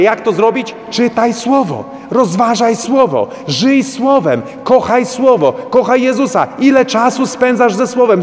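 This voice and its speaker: A man preaching a sermon as a priest, urging his listeners with repeated rhetorical questions. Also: high-pitched. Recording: long church reverb.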